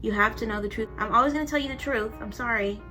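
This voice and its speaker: A young woman chats straight to a camera mic while doing her makeup, blunt and heated, with plenty of swearing. Her voice is bright and forceful and sits a little high, with faint music underneath. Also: quick pace. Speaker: beauty vlogger. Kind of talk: casual vlog chat while doing makeup.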